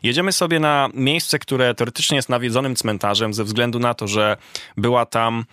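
A man's voice: medium pitch, normal speed, no room sound. Dry-voiced man telling travel stories. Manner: animated, many fillers. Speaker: travel reporter guest. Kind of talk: casual storytelling interview.

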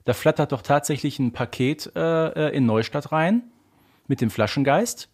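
A man with a German accent and a husky, mid-pitched voice chats as a podcast co-host. He makes his points with emphasis and likes to put questions to his partner. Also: expressive, normal speed. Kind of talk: casual fan-podcast discussion.

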